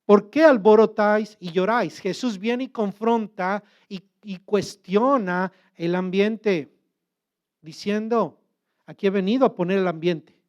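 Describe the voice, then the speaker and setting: A man's voice: high voice, measured pace, lo-fi sound. A man preaching as a pastor, asking questions and answering them himself. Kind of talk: sermon.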